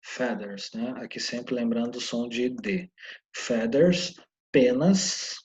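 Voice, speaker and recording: A man's voice: medium pitch, steady tone, unhurried, a little mellow. A male English teacher gives a recorded online lesson, explaining step by step and often checking in with his students.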